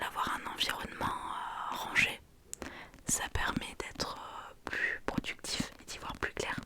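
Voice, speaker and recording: A woman gives an ASMR talk entirely in a soft library whisper. Her delivery is very unhurried, with hesitant pauses as she explains. The voice stays breathy and unvoiced. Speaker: ASMR creator.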